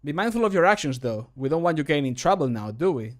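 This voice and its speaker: A stern fantasy game guard, acted by a man, with a slightly high male voice. The delivery is measured and formal, as if admonishing someone. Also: sing-song. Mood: cautioning.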